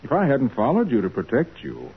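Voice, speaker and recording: An actor playing a confident, wry master detective in a 1940s radio drama, cool, assured and teasing. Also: male voice, mid-range voice, sing-song, brisk, creaky, slightly rough, full character voice. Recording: narrow-band 1940s radio recording, light noise.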